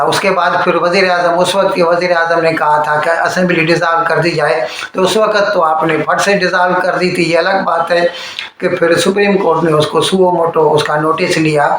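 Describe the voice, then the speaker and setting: A man's voice: on the high side, fairly bright tone. Very echoey South Asian male news commentator. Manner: conversational, mixes in English terms. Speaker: political news commentator addressing viewers. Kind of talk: news commentary, explanatory monologue. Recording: very echoey room, faint background noise.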